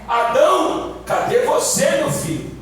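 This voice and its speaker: A preacher voicing God, coaxing, echoey hall. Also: male voice, very high voice, unhurried, a bit bright, distant mic, slight background noise, voice pushed up. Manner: tender, coaxing, repeated questions. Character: God calling gently to a hiding man. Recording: echoey church from afar.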